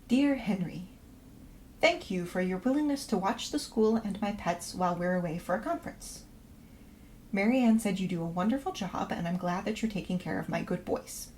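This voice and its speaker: In a fiction podcast promo, an actress plays a polite, quirky woman professor, reading aloud a scripted letter of house-sitting instructions in a matter-of-fact, reassuring way. Her voice is medium-pitched, expressive, moderately paced and a little mellow, only lightly acted, with faint background noise and ambience.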